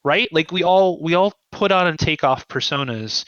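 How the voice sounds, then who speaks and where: Guy writer getting interviewed, bright forward voice, halting and thoughtful, dry slightly muffled audio. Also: a little high, lively intonation, clear, resonant tone, no room sound. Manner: thoughtful, halting, often checks with "right?". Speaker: guest writer. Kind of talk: conversational interview, explaining ideas.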